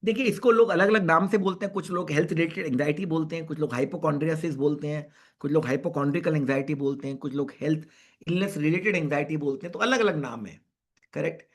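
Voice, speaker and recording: Husky man lecturing earnestly. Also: on the high side, quick pace. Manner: earnest, repetitive, mixes English into Hindi. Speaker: psychiatrist speaker. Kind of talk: online lecture. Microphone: video call.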